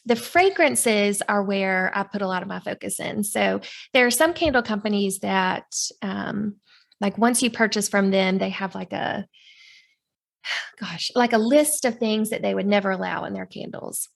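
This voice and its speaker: A woman's voice: mid-range voice, a little slow, creaky. A woman in her thirties, a candle maker, talking casually in an interview with lots of fillers and easy laughs. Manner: chatty, friendly, frequent fillers and laughs.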